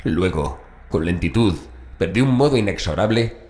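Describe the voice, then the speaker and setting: A man narrating a horror audiobook in a measured, dramatic way with deliberate pauses. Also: deep voice, animated, a little mellow. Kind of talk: scripted horror story narration. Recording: roomy echo, faint background noise.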